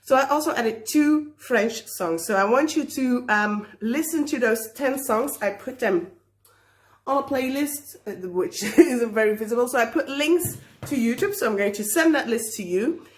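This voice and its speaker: Woman, kinda high voice, chatty teacher with lots of ums. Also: animated, moderate pace. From Belgium. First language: Dutch. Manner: friendly, chatty, lots of ums and small laughs. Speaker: teacher, guest creator. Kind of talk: casual video message.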